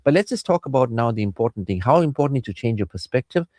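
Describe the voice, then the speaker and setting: A man with a South African Indian accent hosts a chatty radio show. His mid-pitched voice swings about expressively in a dry studio, and his talk is playful and wandering. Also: fast talker, no room sound. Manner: playful, animated, rambling. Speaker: radio host and marriage counsellor.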